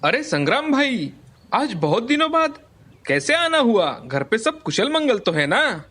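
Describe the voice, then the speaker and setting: A man voicing a friendly, hospitable village man in a cartoon story, chatting warmly with a guest. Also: extremely high pitch, sing-song, a little slow, exaggerated voice. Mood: welcoming. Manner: warm, welcoming, chatty.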